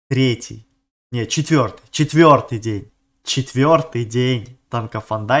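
A man talking casually over gameplay as a video game channel host, chatty and thinking aloud, often correcting himself mid-sentence and using gamer slang. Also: mid-range voice. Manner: uses many diminutives and gamer slang. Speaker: gaming YouTuber.

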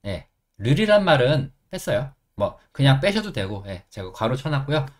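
A middle-aged man with a Korean accent, teaching an English lesson and repeating phrases slowly, step by step. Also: mid-range voice, big pitch swings.

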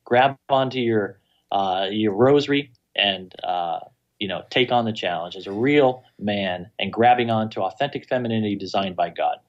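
A man's voice: lowish voice, normal speed, muffled recording. A man who is a guest on a radio interview, speaking casually and answering with short affirmations.

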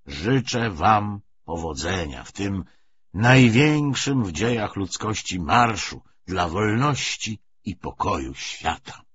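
Man playing a sly, pompous, husky Bolshevik orator. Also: mid-range voice, muffled recording, exaggerated voice. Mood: solemn, rousing. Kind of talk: audiobook character speech.

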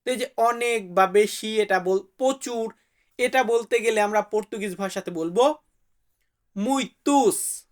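A man's voice: high voice, a bit bright. A man from Bangladesh, teaching vocabulary to viewers and repeating each word so they can say it back. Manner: friendly, calls viewers brother. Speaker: language teacher.

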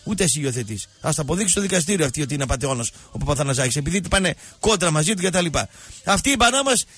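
A man's voice: on the high side, animated, a bit bright, husky, soft background music. A male radio show host rambling through mocking, jokey sports banter.

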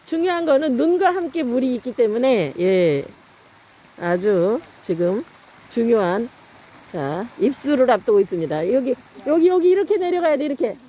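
A woman giving excited, casual live commentary from behind a camera outdoors. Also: a little high, moderate pace, muffled recording. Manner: excited cheering and exclaiming. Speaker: camera operator and narrator. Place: outdoors beside a snowy stream. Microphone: behind the handheld camera. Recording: noisy outdoor phone camera recording.

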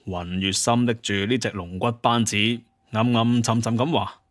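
A man's voice: lowish voice, steady tone, moderate pace, no echo, clean studio sound. A man narrating a story in a dramatic audio-drama style.

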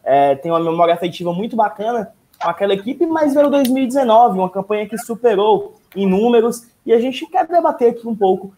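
A man with a clearly high voice hosts a casual live sports show. He talks from a room at home over a video call on an earphone mic. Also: mellow. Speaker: host. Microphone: wired earphone mic on video call.

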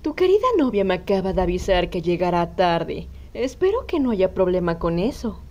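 A woman voicing a sweet but firm middle-aged mother hedgehog in a cartoon, polite and gently insistent. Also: fairly low pitch, sing-song, moderate pace, dull audio, a little hiss or hum.

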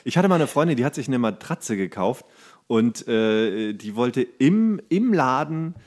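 A man's voice: medium pitch, very animated, unhurried, a little mellow. A man chatting casually as a podcast co-host, joking and teasing, often chuckling as he talks. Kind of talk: casual comedic banter.

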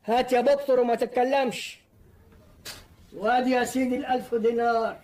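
A put-upon merchant in a historical film. His voice is very high. He sounds resigned and complies grudgingly. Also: steady tone, a little fast, a little mellow.

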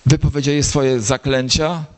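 A priest giving a sermon to a gathering, slowly telling the story and rising to high, emphatic lines. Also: male voice, fairly even intonation, a little hiss or hum. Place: gathering of bible circles.

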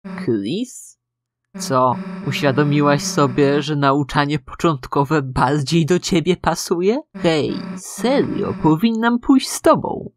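A woman's voice: low-pitched, expressive, slow, crowd noise. A woman voicing a surly teenage monster girl from a video game, sarcastic, taunting and impatient. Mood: mocking, impatient. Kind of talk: dramatized video game dialogue reading.

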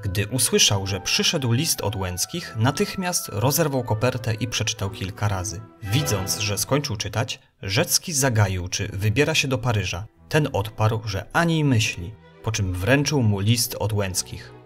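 Man, low voice, story summary narration, faint music underneath. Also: lively intonation, unhurried, few pauses, a bit bright. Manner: reads quoted dialogue with some expression. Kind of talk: scripted narration of a novel summary.

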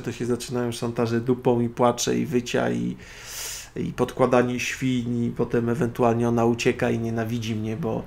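A man's voice: medium pitch, gravelly. A man hosting an internet radio show, speaking in a sardonic, opinionated monologue to his listeners. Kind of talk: solo spoken monologue.

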